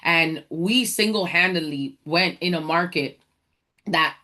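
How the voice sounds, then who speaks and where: A woman's voice: lowish voice, unhurried, bright, forceful tone. A woman from the Dominican Republic hosting a motivational faith talk, speaking energetically and preacherly and addressing listeners as y'all. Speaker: podcast host, entrepreneur.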